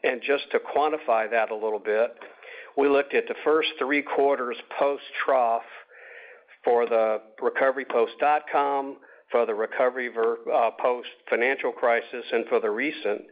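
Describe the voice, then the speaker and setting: A man speaking as a company executive on an earnings call, answering analysts in measured, short deliberate phrases over a conference line. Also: mid-range voice, steady tone. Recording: narrow tinny conference phone line.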